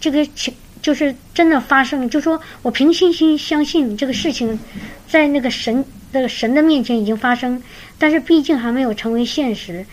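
Earnest woman preaching, higher voice. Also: normal speed, slight background noise, low-quality recording. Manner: earnest, repeats and restarts words often. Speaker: preacher sharing a testimony. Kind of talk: sermon-style storytelling.

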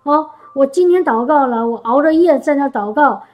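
A woman's voice: high voice, moderate pace, poor audio. A middle-aged woman preaching a sermon in a conversational way, with rhetorical questions and frequent restarts.

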